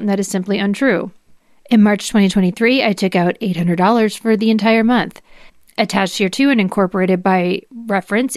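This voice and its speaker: A woman's voice: medium pitch, darkish tone, no room sound, studio quality. A woman podcast host reading legal documents aloud in a formal way, with brief asides.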